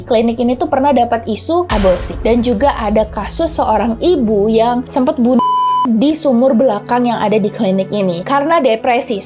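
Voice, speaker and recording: High-pitched young woman telling spooky stories. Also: dark tone. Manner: casual slangy storytelling, often addressing viewers. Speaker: host of a ghost-hunting vlog. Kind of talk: narrated horror exploration vlog, storytelling.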